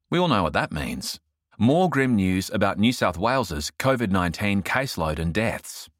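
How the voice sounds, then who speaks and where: A man reads a long feature aloud in a low voice. His delivery is measured yet lively, with wide swings in pitch. The sound is dry and close, with no room around it. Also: no room sound. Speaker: article reader. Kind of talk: reading a feature article aloud.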